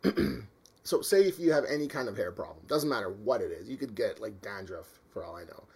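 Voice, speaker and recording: A man's voice: on the low side, expressive, a little fast, vocal fry, breathy edge. Chatty man with lots of fillers. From Canada. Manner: chatty, rambling with many fillers. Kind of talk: casual chat.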